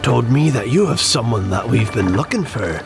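A man's voice: mid-range voice, lively intonation, moderate pace, natural voice. A man voicing a swaggering pirate captain, the smug rival brother, with a teasing, sly drawl. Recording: music bed under voice.

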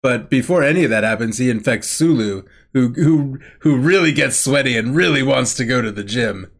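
A man's voice: medium pitch, animated, normal speed. A man co-hosting a casual podcast, recapping a TV episode with wry, laughing asides. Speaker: podcast co-host.

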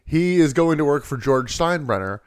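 A man's voice: a little high, lively intonation, normal speed, clear, resonant tone, no room sound, clean studio sound. A man hosting a podcast, explaining things in a casual, joking, swearing way. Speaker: podcast host. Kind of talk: casual chat.

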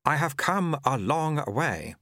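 A man playing a mysterious cloaked male stranger who speaks slowly and formally. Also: fairly high pitch, very animated, fairly bright tone, dry recording, studio quality, pitched above the performer's own voice. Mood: solemn. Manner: slow, measured, formal.

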